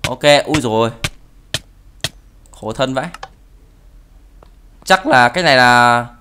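A man's voice: mid-range voice, lively intonation, slow pace, bright, forceful tone, a little hiss or hum. A young man giving playful Minecraft commentary, breaking into mock-dramatic wailing and pleading. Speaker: gaming YouTuber. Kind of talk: Minecraft let's play commentary.

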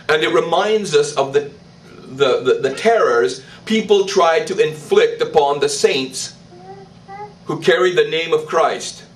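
An older man, a priest, preaching a sermon in church, slow and emphatic, with declarations that rise in pitch. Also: a bit bright, far from the mic, a little hiss or hum, rough recording. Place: church, indoors. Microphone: stand mic in front.

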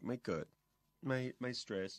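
A man co-hosting a casual bilingual radio chat, patiently explaining words and spelling them out letter by letter. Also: normal speed. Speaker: radio co-host teaching English.

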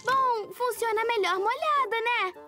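A woman's voice: very high voice, unhurried. A woman with a Brazilian accent voicing an eager, flustered young girl hairdresser in a cartoon dub. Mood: nervous, flustered. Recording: loud music behind the voice.

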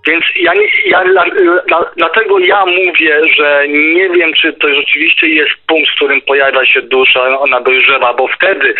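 A middle-aged man musing in casual debate, restarting phrases as he reasons aloud, over a phone call. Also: mid-range voice. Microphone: phone or internet call. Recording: tinny phone line, faint music behind.

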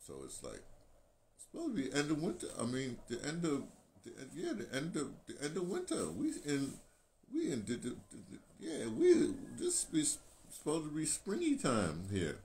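An American man in his sixties rambling casually to his phone camera, halting and digressive, repeating phrases as he goes. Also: medium pitch, darkish tone. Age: 60s. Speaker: video blogger, radio veteran. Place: small painted room indoors. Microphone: phone at arm's length. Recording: clear ambient background noise.

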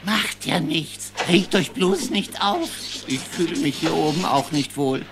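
Low-voiced, grumbly armadillo. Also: female voice, lively intonation, a little slow, music in the background. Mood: wry, grumbly. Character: grumbly, easygoing armadillo from the West. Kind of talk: German children's audio drama acting.

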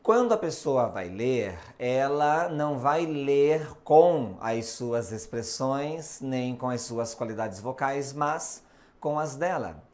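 A man with a Brazilian Portuguese accent teaching a recorded video lesson on communication and hypnosis, speaking slowly and deliberately with clear emphasis. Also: mid-range voice, expressive, darkish tone. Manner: slow, deliberate explanatory delivery with emphasis.

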